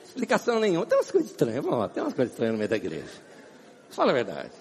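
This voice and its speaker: Husky Brazilian preacher, lively high voice. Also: male voice, rapid-fire, some chatter behind. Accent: Brazilian Portuguese. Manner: animated, laughing storyteller. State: sweating. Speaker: guest preacher. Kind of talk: humorous sermon storytelling. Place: large round church. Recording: long church hall reverb.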